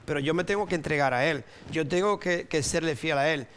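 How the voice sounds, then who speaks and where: This Dominican preacher in his sixties speaks with a Dominican Spanish accent, mixing personal stories into a casual sermon and tossing in English words. He's playful and quick to laugh. The voice is a little high and a bit bright, with slight hiss or hum in the background.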